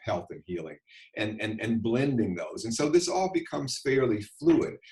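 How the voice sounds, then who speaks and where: A man talks at a moderate pace with vocal fry. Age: 60s. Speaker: physician. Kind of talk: interview. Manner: halting, many fillers.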